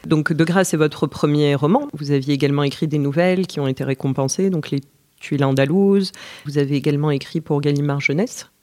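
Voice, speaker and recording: Friendly male interviewer, quick agreements. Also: fairly high pitch, dark tone. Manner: affirming, friendly, frequent short acknowledgements and light laughter. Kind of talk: interview conversation.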